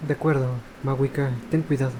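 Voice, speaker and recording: A man's voice: medium pitch, little pitch movement, fast, heavy background noise. A man with a Mexican accent giving casual commentary as he plays a video game. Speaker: gamer narrating his playthrough. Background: game music.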